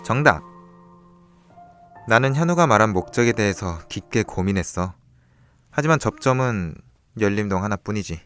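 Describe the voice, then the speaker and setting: Man as cool young schemer in radio mystery. Lowish voice, measured and cryptic, music behind. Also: lively intonation, fairly bright tone. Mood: knowing. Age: young adult. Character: cool, calculating young man revealing a crime's secrets. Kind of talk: audio drama acting, expository dialogue.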